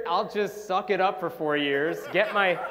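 Crowd noise fills the background as a man speaks at a fairly slow pace, his high pitch showing ordinary variation. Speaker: conference speaker. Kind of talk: storytelling talk. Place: hall.

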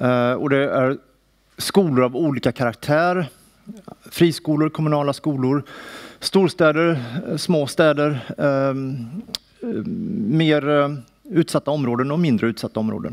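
A man speaks at a very slow pace with long, frequent pauses, his fairly high voice showing ordinary pitch variation against a quiet background. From Sweden. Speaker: professor. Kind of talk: lecture. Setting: stage with audience. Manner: humorous, self-ironic. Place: hall. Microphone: headset.

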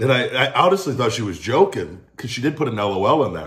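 This man's voice is somewhat breathy. He speaks fairly quickly. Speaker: vlogger. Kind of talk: casual vlog chat. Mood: amused, storytelling. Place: home room. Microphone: phone near.

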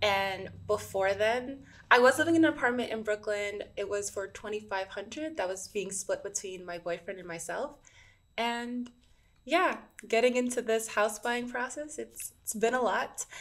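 A woman talks in an unremarkable speaking voice at a fairly slow pace. Her pitch is fairly high, with ordinary variation and big swings in loudness. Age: 20s. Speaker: software engineer; interview guest. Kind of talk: casual chat. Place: studio. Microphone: studio mic.

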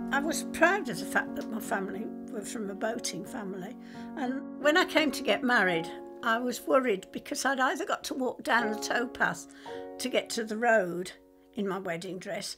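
Over clear music in the background, a woman with a high pitch speaks at a moderate pace, her pitch swinging very widely. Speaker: interviewee recalling family history. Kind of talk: interview answer. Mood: warm, nostalgic. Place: home room.

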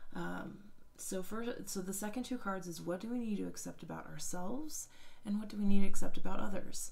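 Soft-spoken, a woman talks at a fairly quick pace. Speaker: tarot reader. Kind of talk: tarot reading talk to camera. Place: home room. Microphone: phone near.

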